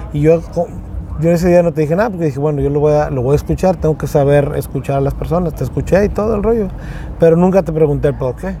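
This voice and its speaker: A man's fairly high voice at a very fast pace, against noticeable background noise. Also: ordinary pitch variation. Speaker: stand-up comedian. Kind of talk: stand-up comedy.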